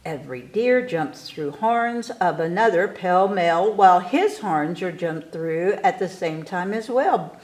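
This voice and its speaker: Slow-paced woman reading a children's story. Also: medium pitch, darkish tone. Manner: theatrical rhyming delivery with stretched emphasis on key words. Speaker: story time reader. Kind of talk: expressive children's picture book read-aloud.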